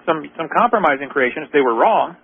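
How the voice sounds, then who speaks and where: A man's voice: fairly high pitch, expressive, fast. A man hosting a call-in radio show, arguing with a caller in a lecturing way and firing off rhetorical questions. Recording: tinny phone-line radio audio.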